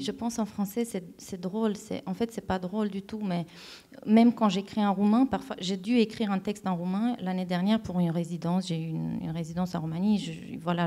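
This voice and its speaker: Soft-toned woman. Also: lowish voice. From Romania. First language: Romanian. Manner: thoughtful, searching for words with frequent restarts. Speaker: playwright and director, guest. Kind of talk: reflective interview answers.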